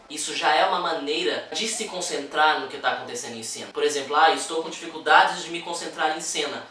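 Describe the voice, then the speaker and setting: A man explains acting technique in a casual, conversational way, often stopping to ask rhetorical questions. His voice is bright and somewhat high. He is recorded from a distance in a very echoey room with faint background noise. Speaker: acting teacher. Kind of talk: informal lesson to camera.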